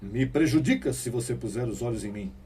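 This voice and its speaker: A man delivers a sermon in a dark, husky voice, pushing his phrases upward in emphatic bursts and firing rhetorical questions at the listeners. He sounds set back from the microphone. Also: mid-range voice, lively intonation, fairly quick, recorded from a distance. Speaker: preacher.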